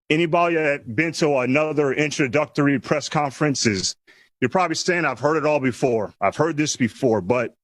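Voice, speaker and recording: Middle-aged man, general manager at a podium; emphatic, slightly higher pitch, dry sound. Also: fairly bright tone, no room sound. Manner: measured, emphatic, repeats key phrases. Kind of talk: press conference speech.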